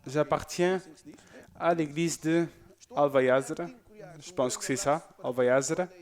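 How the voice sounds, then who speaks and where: A man's voice: on the high side, fairly even intonation, takes it slowly. A man presenting a church show, chatting casually and joking as he reads out viewer messages.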